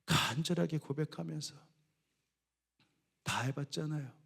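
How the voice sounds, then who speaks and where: A male pastor delivers a sermon in a high, gravelly voice. He climbs to fervent, loud cries, then sinks to low, quiet passages. The delivery is emphatic and earnest. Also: measured pace. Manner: rising to impassioned shouts when voicing biblical cries, then dropping low and soft.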